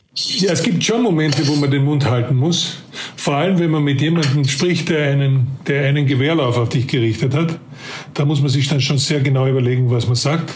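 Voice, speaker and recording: A man talks at a fairly quick pace with ordinary pitch variation and very even loudness, over noticeable background noise and audible room echo. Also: fairly high pitch for a man. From Austria, Carinthia. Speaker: security adviser. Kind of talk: interview. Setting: video call.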